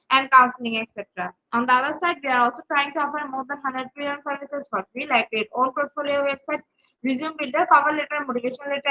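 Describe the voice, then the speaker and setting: A woman's voice: sits high, pushed and bright. A woman with a Bangladeshi accent hosting a webinar, reading a scripted introduction in a formal, recited way with small stumbles. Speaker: webinar host. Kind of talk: scripted introduction read aloud. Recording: dull, lo-fi online webinar audio.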